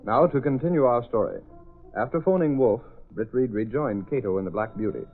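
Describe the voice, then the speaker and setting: A man's voice: medium pitch, fairly quick. Old-time radio announcer man, dramatic. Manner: dramatic and declamatory. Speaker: announcer and narrator. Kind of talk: scripted 1930s radio narration. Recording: scratchy narrow 1930s radio with faint music.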